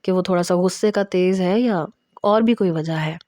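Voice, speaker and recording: Woman narrator doing a calm, kind young male cousin in a storybook romance. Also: lowish voice, no echo, clean studio sound, natural voice. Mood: gentle. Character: gentle young man cousin, calm and caring.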